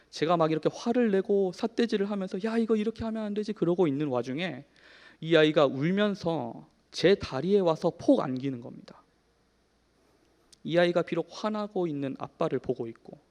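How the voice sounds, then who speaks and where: A man in his thirties preaching a sermon in a church, telling a personal story in an earnest way, shifting from soft to emphatic. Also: sits high, gravelly. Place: church hall. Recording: long hall reverb.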